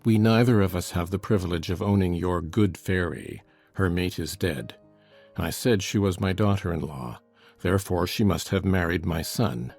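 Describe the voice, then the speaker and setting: A man voicing a grim, sneering middle-aged master of the house, speaking slowly and coldly. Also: sits low, creaky, a little mellow, faint music behind, pitched below the performer's own voice. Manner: slow, cold, mocking.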